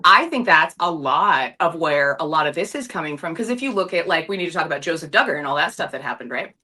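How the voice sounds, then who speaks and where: A woman's voice: deep voice, expressive, fast, bright, forceful tone. A woman in her thirties co-hosting a casual talk show, opinionated and ranting, laughing easily. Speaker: podcast co-host. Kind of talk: casual chat.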